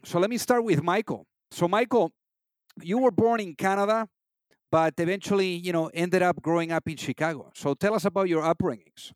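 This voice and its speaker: A man's voice: high-pitched, fairly quick, dry recording. A man hosting an interview podcast, rambling a little with lots of fillers and restarts. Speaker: podcast host.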